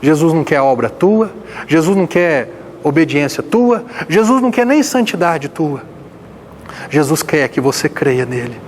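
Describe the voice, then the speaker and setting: A man preaching a sermon as pastor, firing rhetorical questions and swinging between loud emphasis and hushed passages. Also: a little high, a little hiss or hum.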